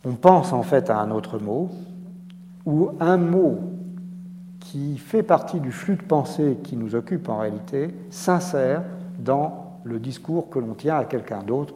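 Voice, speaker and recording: A man answers questions from the floor in a lecture hall, pausing, restarting and explaining carefully. His voice is dark and mellow, with a long reverb from the hall around it. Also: mid-range voice. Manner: measured explanatory, many hesitations and restarts. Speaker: memory centre director answering audience questions. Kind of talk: public lecture Q&A.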